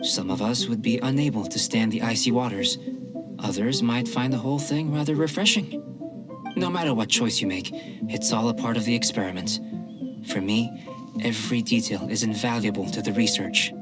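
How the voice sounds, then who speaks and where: An actor playing a calm, curious young male alchemist in a video game, speaking formally and precisely. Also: medium pitch, normal speed, lightly acted. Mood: composed. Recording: game music behind the voice.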